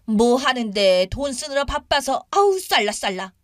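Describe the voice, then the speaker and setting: A nagging older mother-in-law barks sharp scolding questions, as a woman reader puts her on. The voice leaps upward when she shouts. It sounds close and dry, with no room around it. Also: sits high, sing-song, measured pace, no room sound, voice pushed up.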